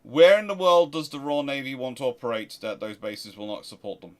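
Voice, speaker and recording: A man's voice: mid-range voice, animated, brisk. Emphatic man talking casually live. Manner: emphatic, argues through rhetorical questions. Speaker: host of a naval history channel. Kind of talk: casual live question-and-answer talk.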